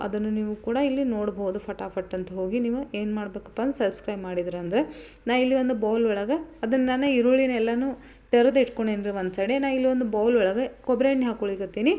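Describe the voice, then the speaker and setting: A woman with a North Karnataka Kannada accent presents a home remedy in an informal how-to style. She talks quickly in a soft, mellow tone at a middling pitch. Her delivery is chatty and repetitive, with English words dropped in throughout. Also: muffled recording. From Karnataka, India. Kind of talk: informal how-to voice-over addressed to viewers.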